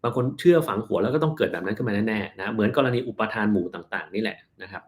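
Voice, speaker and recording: Low-voiced man answering health questions. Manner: relaxed, plain-spoken, slows down to explain terms. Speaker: doctor answering viewer questions. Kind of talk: live-stream Q&A, reading and answering questions.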